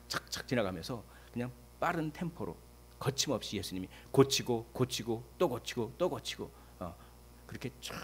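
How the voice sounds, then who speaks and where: A man preaching a Sunday sermon as pastor, swinging from loud calls to soft asides. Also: mid-range voice, husky. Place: church sanctuary.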